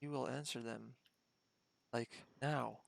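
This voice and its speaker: A young man speaking English as a second language, chatting casually on a developer livestream through a headset, halting and searching for words. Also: mid-range voice, steady tone, creaky, dry recording. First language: a Slavic language close to Czech. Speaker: game developer.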